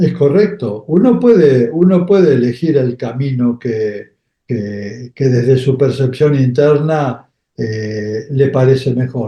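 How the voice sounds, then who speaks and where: A somewhat breathy male voice with a dark, mellow tone, medium pitch and ordinary pitch variation, at a very slow pace. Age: 70s. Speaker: spiritual teacher. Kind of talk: interview. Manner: halting.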